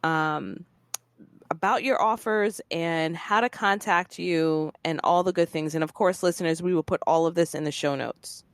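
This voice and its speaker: A woman hosting a business podcast in a casual, playful and slangy way, quick to laugh. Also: fairly low pitch, no room sound, clean studio sound. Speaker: podcast host. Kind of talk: casual interview chat.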